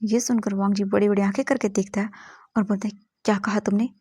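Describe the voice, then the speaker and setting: A woman's voice: medium pitch, flat delivery, fast, warm tone, husky, no room sound, studio quality. A woman narrating a fanfiction story in a casual, conversational way. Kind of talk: storytelling narration, Hindi mixed with English.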